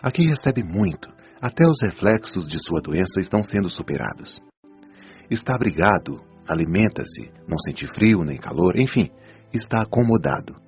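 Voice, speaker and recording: An actor with a Brazilian accent playing a wise, patient spirit doctor who counsels souls in a measured, admonishing way in an audio drama. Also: male voice, sits low, sing-song. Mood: instructive. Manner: didactic, measured, gently admonishing. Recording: dull lo-fi audio, music behind.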